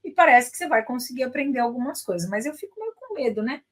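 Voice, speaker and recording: An English teacher with a Brazilian Portuguese accent chats casually with viewers, full of tag questions and slipping into English phrases. Her high voice swings widely in pitch, and she speaks fast.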